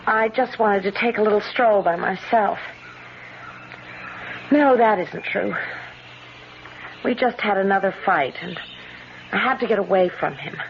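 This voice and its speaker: An actress playing an earnest, anxious disabled young woman in a radio drama, speaking haltingly with nervous repetitions. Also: medium pitch, creaky. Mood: earnest, confiding. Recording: dull, noisy vintage radio drama recording.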